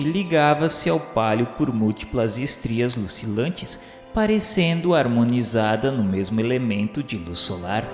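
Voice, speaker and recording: A Brazilian man narrates a radio novel in a grave, declamatory style. His medium-pitched voice moves slowly and formally through the scripted prose. It rings in a long, roomy reverb.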